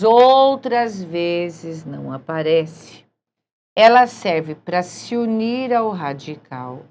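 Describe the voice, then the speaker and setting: Slow, patient woman teaching. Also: mid-range voice. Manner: patient, checks in with frequent "certo?". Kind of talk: recorded grammar lesson.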